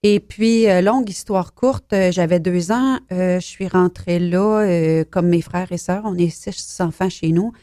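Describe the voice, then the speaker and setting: A woman from Belgium telling her life story as an interview guest, soft-spoken and hesitant, sometimes dropping almost to a whisper. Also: on the low side, unhurried, hardly any pauses, no echo, studio quality. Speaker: author guest. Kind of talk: personal testimony in an interview.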